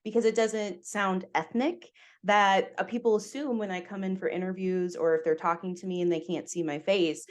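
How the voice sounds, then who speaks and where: A woman guest on a podcast, speaking candidly and with animation in a relaxed interview conversation, from the United States. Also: mid-range voice, moderate pace.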